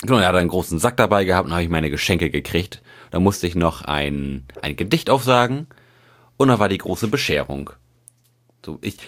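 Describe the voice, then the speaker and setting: A man chatting casually on a podcast, hesitant with many fillers and a wry humor. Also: low voice. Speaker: podcast guest. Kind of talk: casual chat.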